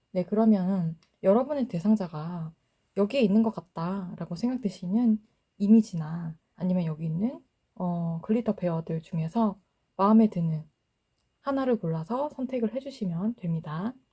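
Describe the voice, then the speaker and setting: Dark and mellow in tone, this woman's medium-pitched voice is somewhat breathy. She speaks at a moderate pace with lively intonation. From Gyeongsang region, South Korea. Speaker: tarot reader. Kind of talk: tarot reading; casual chat to viewers. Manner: tends to speed up when talking; trying to speak calmly.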